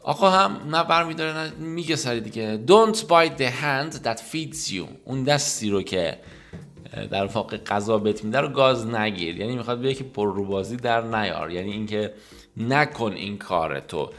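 A man teaching an English lesson, repeating English phrases slowly and then explaining them in Persian, his native language. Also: medium pitch, expressive, fairly bright tone, soft background music.

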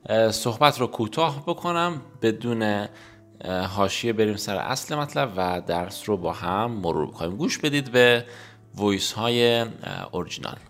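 Man, English teacher, fast explanations, slow careful repeats, lively pitch, faint guitar music. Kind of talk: language lesson. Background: soft guitar music.

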